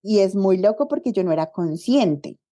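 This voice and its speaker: Woman, podcast guest; relaxed, mellow voice, chatty and expressive. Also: medium pitch, moderate pace. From Colombia. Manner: animated storytelling, acts out quoted dialogue. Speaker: podcast guest, body diversity activist. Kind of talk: casual conversational interview.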